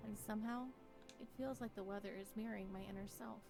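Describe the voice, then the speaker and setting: Woman acting a wistful, creaky-voiced weary wife. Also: mid-range voice, fairly even intonation, fast, close to an everyday voice. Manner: wistful, melancholy. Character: weary, anxious wife clinging to a broken relationship. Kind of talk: visual novel voice acting, introspective monologue. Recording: music behind the voice. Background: music.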